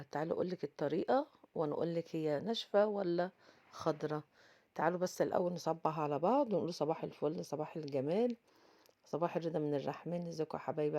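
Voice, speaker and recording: Fast-chatting Egyptian woman cooking host. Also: sits low, mellow. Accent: Egyptian Arabic. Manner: chatty, addresses viewers directly, frequent fillers. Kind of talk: casual cooking tutorial.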